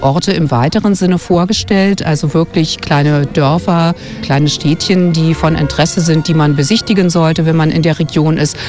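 A woman's voice: sits low, fairly even intonation, normal speed, hardly any pauses, a little mellow, soft background music. A woman from West Berlin, a radio journalist and travel guide author, explaining fluently and thoughtfully in a radio interview on a forest walk. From West Berlin, Germany. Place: outdoors on a winter forest walk.

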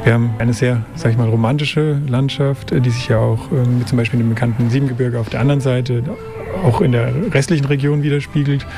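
A man's voice: medium pitch, little pitch movement, fairly quick, music in the background. A man from a tourism office answering interview questions, explaining things and using plenty of fillers.

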